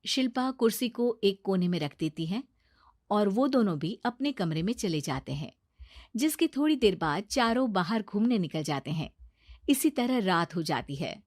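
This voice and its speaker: A woman narrating a cartoon story in a steady, plain storytelling manner. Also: mid-range voice, normal speed, no echo, clean studio sound.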